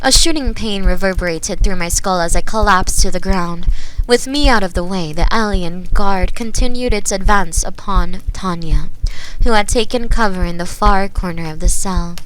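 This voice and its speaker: A woman reads a dark sci-fi story in a measured, expressive, dramatic narrator's style into a binaural microphone. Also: on the low side, a little hiss or hum, rough recording. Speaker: storytelling ASMR performer.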